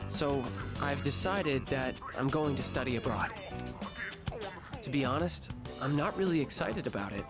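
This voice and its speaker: An actor playing an earnest, anxious male high school student and caring friend in a video game. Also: moderate pace, natural voice. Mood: casual. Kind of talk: English video game voice acting. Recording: music behind the voice.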